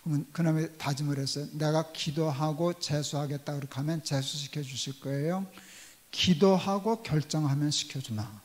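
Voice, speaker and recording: Older male pastor, somewhat high voice, storytelling sermon, long church reverb. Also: moderate pace. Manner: storytelling, acting out quoted dialogue. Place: church sanctuary.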